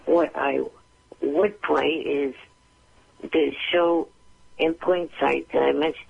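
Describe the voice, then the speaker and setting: A male caller with an extremely creaky, gravelly and somewhat high voice speaks in blunt, halting phrases. He sounds stubborn, phoning in to a show over a lo-fi telephone line. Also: fairly even intonation. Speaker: regular phone-in caller. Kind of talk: phone-in talk.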